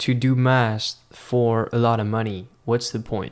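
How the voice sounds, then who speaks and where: A very slow man's voice at a medium pitch, on a very clean recording with a silent background. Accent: French. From France. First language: French. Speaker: vlogger and musician. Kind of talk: casual vlog monologue. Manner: rambling, hesitant with repetitions.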